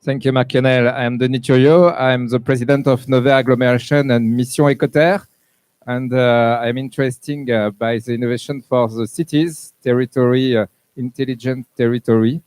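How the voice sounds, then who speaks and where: Man, smooth clear voice, dry close sound, halting. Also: medium pitch, fairly even intonation, a little mellow, no room sound. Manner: halting, many pauses. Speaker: jury member.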